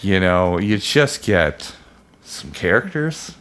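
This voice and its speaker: A man's voice: deep voice, very animated, slow, a crowd in the background. A man talking casually as a podcast co-host.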